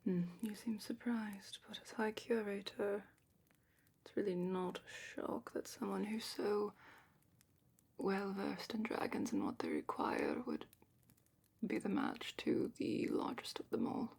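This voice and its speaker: A woman playing a weary, wry, slightly superior female official at a dragon academy, in a soft whispered ASMR roleplay. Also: medium pitch, sing-song, gravelly, slightly rough, exaggerated voice. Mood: smug. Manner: slow, dry, slightly superior, formal.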